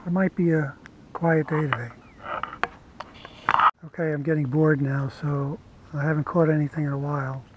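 A man casually narrating his fishing trip from a kayak, talking to the camera in a relaxed, chatty way. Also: fairly high pitch, moderate pace, long pauses, very noisy. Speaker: fishing vlogger. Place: kayak on a lake outdoors. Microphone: head-mounted action camera.

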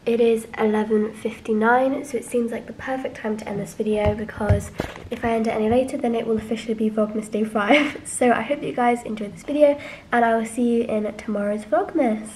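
A woman's voice: a little high, fairly even intonation, brisk, a little mellow, a little hiss or hum. A young woman, chatting and giggling in a casual home vlog. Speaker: vlogger.

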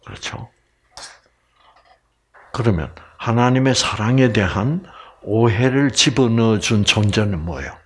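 A man from Gyeongsang Province giving a lively Bible lecture, often quizzing his audience. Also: fairly low pitch, a little slow, long pauses, husky. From Gyeongsang Province, Korea. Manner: animated, keeps quizzing the audience.

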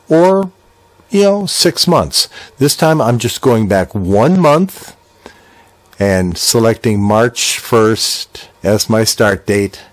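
Older man, sixties, American accent, medium pitch, plain-spoken tutorial presenter, conversational, explanatory. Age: older, around 60s. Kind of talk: step-by-step software tutorial, conversational.

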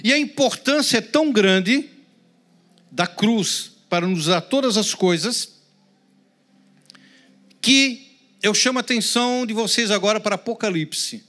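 High-voiced Brazilian man preaching a sermon. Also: unhurried, pauses often, faint music behind. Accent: Brazilian Portuguese. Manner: dramatic preaching, swings between loud emphasis and hushed prayerful tones. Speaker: pastor.

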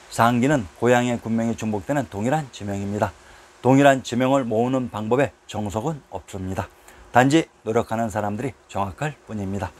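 A man reading scripted history narration in a steady voice, listing place names one after another. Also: mid-range voice. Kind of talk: scripted narration read from a text.

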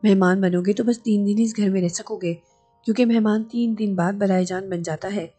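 A woman's voice: medium pitch, steady tone, brisk, warm tone, breathy edge, soft background music, close to an everyday voice. A woman voicing a young wife, reading her lines in a teasing, emotional way. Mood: tender. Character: young wife, playful then hurt.

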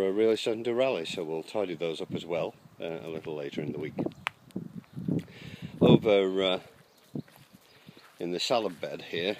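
A man's voice: deep voice, very noisy. A man casually narrating a walk around his garden allotment, talking hesitantly with many ums and uhs, recorded outdoors on a handheld camera. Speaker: allotment vlogger.

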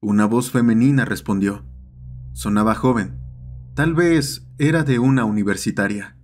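A man's voice: lowish voice, normal speed, darkish tone, soft background music. A man doing scripted first-person narration for an audio horror story.

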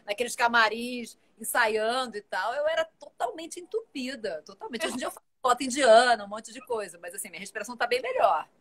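A woman in her forties chats with animated energy over a video call from home. Her voice sits a little high for a woman, and she talks on in long, busy runs while gesturing. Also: a little fast, few pauses. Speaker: actress, guest. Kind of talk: casual live video chat. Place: home room with plants and shelves.

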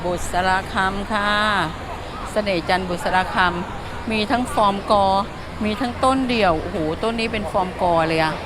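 A woman's voice: mid-range voice, normal speed. A woman hosting a casual walk-around market vlog, chatting with vendors, exclaiming often and repeating their answers for viewers. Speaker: host of a plant market walk-around video. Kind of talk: casual on-location vlog commentary and vendor chat. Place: outdoor plant market. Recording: busy outdoor market crowd and street noise.

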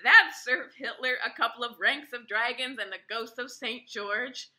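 A woman's voice: fairly high pitch, sing-song, unhurried, sharp tone, full character voice. Woman voicing a teasing young guardian. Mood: amused. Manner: teasing, laughing.

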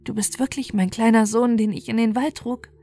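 Pleading heartbroken beggar mom from a fairy tale, read by a lady, high voice, imploring. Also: steady tone, normal speed, warm tone, natural voice. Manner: imploring, emotional. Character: pleading, heartbroken beggar woman seeking her lost son.

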